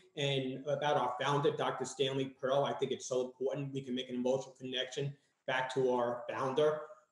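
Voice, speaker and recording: Talking fairly quickly, a man speaks with a New York accent. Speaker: franchise development executive. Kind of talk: business presentation.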